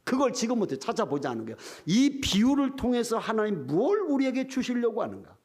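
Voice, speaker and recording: In a church sanctuary, an older retired pastor serving as guest revival preacher delivers a sermon a little fast, his high voice swooping up and down with lively energy. He addresses the congregation directly, spinning funny stories in a humorous storytelling style.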